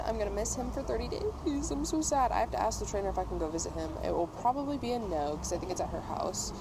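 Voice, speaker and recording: A woman podcast host chats casually, playful, giggly, and talkative, in a medium-pitched voice. She's on the go around a parking lot and car, and the noisy on-location recording clearly picks up ambient and vehicle sounds.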